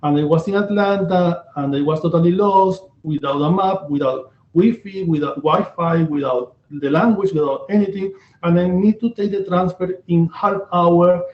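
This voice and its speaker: Venezuelan-accented man, echoey lo-fi sound. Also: sits high. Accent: Venezuelan Spanish. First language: Spanish. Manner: searching for words, halting and animated. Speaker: host. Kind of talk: casual interview chat. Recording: echoey, dull lo-fi room sound.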